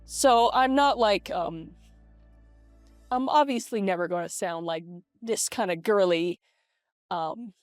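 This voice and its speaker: Woman vlogging through a girly voice changer, halting casual chat, medium pitch, soft lofi game music behind. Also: clean tone, no room sound, studio quality. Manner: hesitant, halting, self-reflective. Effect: voice changer making the voice feminine. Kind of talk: casual personal vlog. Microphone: webcam setup. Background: lo-fi video game music.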